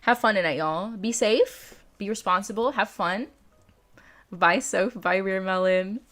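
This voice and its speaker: A young woman hosting a casual livestream, chatting in a bubbly, slangy way with excitable exclamations to her viewers. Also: medium pitch, unhurried. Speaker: livestream host.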